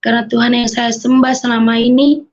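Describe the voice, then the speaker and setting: A woman from Madura, Indonesia, tells her faith testimony in an earnest voice that sits a little high. She keeps turning to her listeners as brothers and sisters and drops in bits of English. The audio is muffled and lo-fi. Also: flat delivery, a little fast, darkish tone. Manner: mixes in English phrases. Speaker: testimony speaker.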